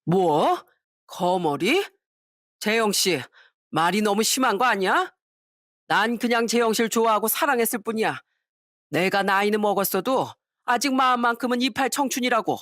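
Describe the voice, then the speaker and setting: A woman's voice: mid-range voice, normal speed, fairly bright tone, no echo, clean studio sound, natural voice. A woman voicing a pushy older male office boss who wheedles and makes excuses. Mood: wheedling.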